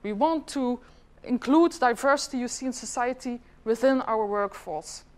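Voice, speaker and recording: A middle-aged Flemish woman from Belgium, a government department head whose first language is Dutch, gives a chatty conference presentation and puts questions to the audience. Her voice is a little high and a little mellow, and she speaks at a normal speed.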